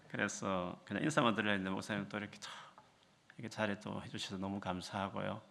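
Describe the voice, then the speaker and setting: Man, 50s, visiting missionary; gravelly voice, warm chatty greeting. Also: on the low side. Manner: chatty, self-deprecating. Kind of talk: sermon greeting.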